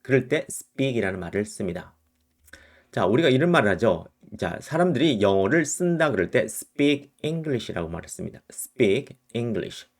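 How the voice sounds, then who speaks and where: Low-voiced man teaching English phrases. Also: a little mellow. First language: Korean. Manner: explains patiently, repeats example phrases slowly. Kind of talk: English lesson explaining word use.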